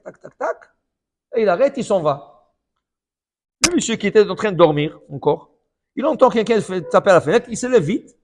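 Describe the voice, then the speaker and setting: A high-voiced man preaching as a rabbi. He tells stories with animated swings of pitch and loudness, repeats phrases for emphasis and keeps checking that his listeners follow. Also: creaky, slightly rough. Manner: animated storytelling with many repetitions; often checks in with "ok?". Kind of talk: sermon.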